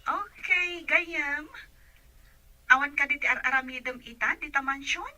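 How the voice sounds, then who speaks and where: A woman's voice: sits high, unhurried, bright, forceful tone, exaggerated voice. A woman playing the caregiver's eager female friend in an Ilocano audio drama. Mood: chatty.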